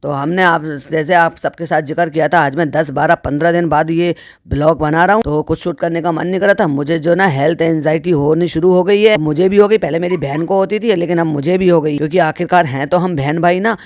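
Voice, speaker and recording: A man talking casually to his viewers in a vlog, slow and subdued. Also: fairly high pitch, fairly even intonation, dry recording, studio quality. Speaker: vlogger.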